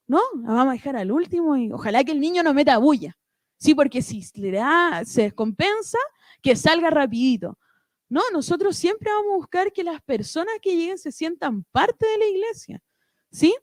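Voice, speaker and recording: A woman with a high voice presents a church ministry workshop. She explains things step by step and keeps checking in with her listeners through short tag questions. The sound is dry, with no room echo. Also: a little mellow. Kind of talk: instructive church workshop talk.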